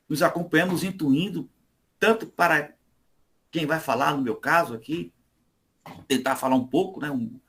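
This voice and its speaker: A man's voice: on the high side, fairly bright tone. A man from Salvador with a Bahian Brazilian accent, speaking conversationally as a guest at an online religious study meeting and often adding tag questions. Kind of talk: informal religious talk.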